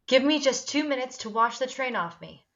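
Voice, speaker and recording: A woman acting as a gentle, patient young daughter in a drama script read, on a dull home recording. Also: sits high, animated, normal speed. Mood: delighted. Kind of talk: dramatic table read of a screenplay.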